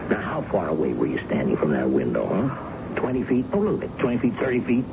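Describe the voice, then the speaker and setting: A man's voice: lowish voice, very animated, fast talker, creaky, noisy background. An actor in a radio drama playing an exasperated middle-aged father who scolds and coaxes his grown daughter. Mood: exasperated, coaxing. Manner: blustering, scolding, coaxing. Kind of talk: 1970s radio drama acting. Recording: dull vintage radio recording with music.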